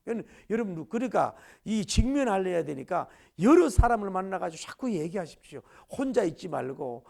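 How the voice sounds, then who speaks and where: A male pastor delivers a sermon in an emphatic way, constantly throwing rhetorical questions at the congregation. His voice sits fairly high for a man and has a heavily gravelly, crackling texture. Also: darkish tone. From Gyeongsang region, Korea.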